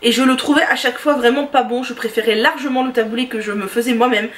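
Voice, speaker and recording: A woman with a high voice talks through her favorite products in a chatty, enthusiastic vlog at home. She often pauses on small fillers as she goes. Her voice sounds set back from the microphone. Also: steady tone. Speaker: beauty and lifestyle vlogger. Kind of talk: casual product review monologue. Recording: voice distant from the mic.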